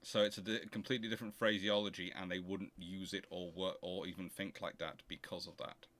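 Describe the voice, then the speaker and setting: A man with a low voice talks a little fast as he hosts a casual livestream Q&A about naval history. He explains things emphatically and with animated, argumentative energy, rambling and often correcting himself mid-sentence.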